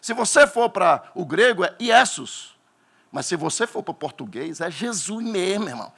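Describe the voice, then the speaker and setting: Pastor, male, Northeastern Brazilian accent, fiery sermon delivery, lively swinging pitch. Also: normal speed, gravelly, husky. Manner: animated preaching, bursts into shouting at climaxes.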